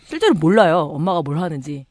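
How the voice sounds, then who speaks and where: Fast-talking middle-aged woman co-host. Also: low voice, very animated, a little mellow, dry recording, studio quality. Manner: quick, chatty, laughs easily. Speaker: podcast co-host. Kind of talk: casual chat.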